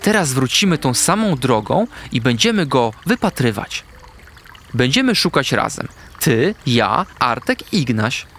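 A man voicing a wise, caring female owl who guides young animals, speaking in a soft, calm, soothing voice. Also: medium pitch, measured pace, heavily acted. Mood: encouraging.

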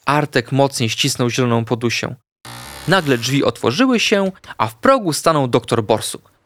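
A man narrating a children's story in a slow, gentle, expressive way. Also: medium pitch, a little hiss or hum.

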